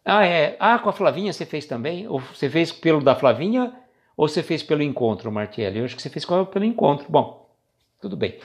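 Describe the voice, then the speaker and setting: A man's voice: a little high, big pitch swings, brisk. A Brazilian man hosting a spiritist livestream, chatting informally and addressing viewers directly by name. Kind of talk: casual livestream chat.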